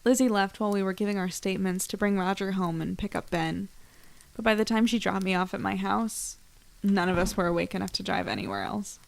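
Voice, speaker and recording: A woman's voice: medium pitch, expressive, fairly quick, gravelly. A woman playing an earnest, tired young woman reporter in an audio drama, with dialogue and first-person narration. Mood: weary, reflective.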